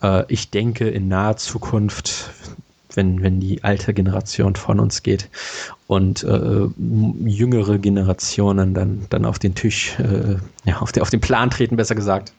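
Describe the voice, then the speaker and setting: Man in his late twenties, husky, lowish voice, rambling casual podcast chat. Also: flat delivery, a little slow, darkish tone. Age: late 20s. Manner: rambling, many fillers and restarts, laughs often. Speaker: podcast co-host.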